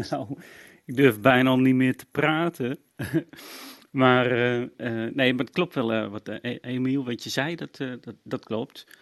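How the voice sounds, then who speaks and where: A man in the audience speaking up, halting and hesitant as he agrees. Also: mid-range voice, fairly even intonation, no room sound, clean studio sound. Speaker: audience member.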